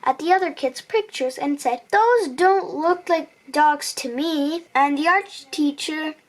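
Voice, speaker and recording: A woman's voice: high-pitched, a little slow. A young girl reading a picture book aloud, acting out the quoted lines and sometimes stumbling over words. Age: child. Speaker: reader on a family video channel.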